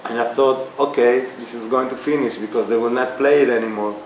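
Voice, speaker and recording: A man in his thirties with an Israeli accent, answering interview questions casually with many fillers and restarts. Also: mid-range voice. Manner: halting, many fillers and restarts, animated hand gestures. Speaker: guest, video remixer. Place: small bright room indoors. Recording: echoey room, faint background hiss.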